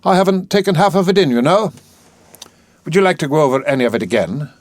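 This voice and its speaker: Impetuous, bossy professor in his forties, loud and eager, played by a man. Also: a little high, fast, no echo, voice pushed up, lightly acted. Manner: energetic, brusque, bullying. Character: Higgins, male phonetics professor of forty, impetuous.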